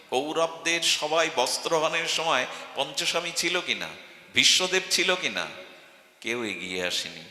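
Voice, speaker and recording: A man's voice: fairly high pitch, sharp tone. A man giving a devotional sermon, telling stories and asking rhetorical questions. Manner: storytelling, asks rhetorical questions. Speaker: preacher. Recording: echoey hall.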